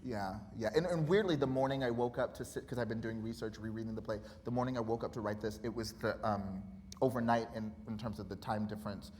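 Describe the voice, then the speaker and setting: Animated, candid man in a reverberant hall. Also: on the low side, fast. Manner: animated, candid, laughs often, acts out remembered dialogue. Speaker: author guest. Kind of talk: live conversational interview. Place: college auditorium. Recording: reverberant hall with faint noise.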